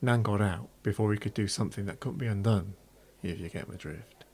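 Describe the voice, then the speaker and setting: A man acting a dramatic monologue as a tipsy, regretful gay Englishman, halting and confessional as he talks about family. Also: fairly low pitch, a little mellow, breathy edge. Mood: subdued, bitter. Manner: halting, confessional, with whispered breaks. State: tipsy from red wine, acted. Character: drunk, regretful gay man confiding about his mum.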